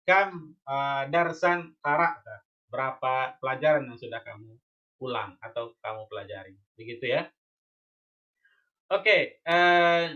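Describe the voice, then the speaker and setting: A male teacher with a bright, slightly high voice runs an online lesson over shared slides. He is patient and goes over each point again, checking in with "ya?" and "oke?". The sound is dull and lo-fi, like a computer mic on a call. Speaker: Arabic teacher.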